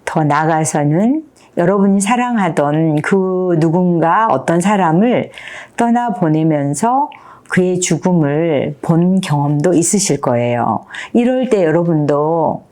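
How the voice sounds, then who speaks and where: Speaking at a fairly low pitch and an unhurried pace, a teacher in her fifties walks an audience through a picture book. She tells the story in an animated way and keeps putting questions to her listeners.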